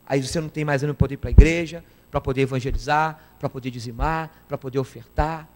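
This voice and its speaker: A man's voice: mid-range voice, steady tone, quick pace. A man preaching a sermon, emphatic and often calling out to the congregation for an amen. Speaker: guest preacher.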